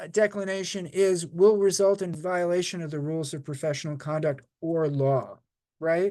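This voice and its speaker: Against a quiet background, a man with a New York accent talks at a high pitch, with ordinary pitch variation and big swings in loudness. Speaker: law professor. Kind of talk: lecture. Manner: animated.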